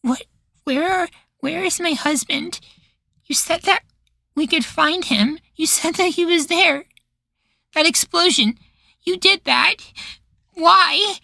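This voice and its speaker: A man playing a young, submissive and loyal boywife in a roleplay, soft, hesitant and pleading. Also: very high voice, slow pace, vocal fry, pauses often, dry recording, voice pushed up, heavily acted. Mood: distressed, pleading. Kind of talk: roleplay ASMR acting.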